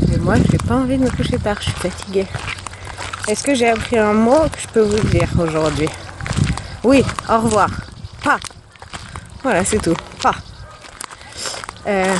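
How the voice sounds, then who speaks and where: A young woman from France chatting casually to her camera for a travel vlog, rambling with lots of hesitations. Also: medium pitch. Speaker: vlogger. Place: outdoors in a green village on a trip. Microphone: handheld camera she films with. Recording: outdoor camera audio with clear background noise.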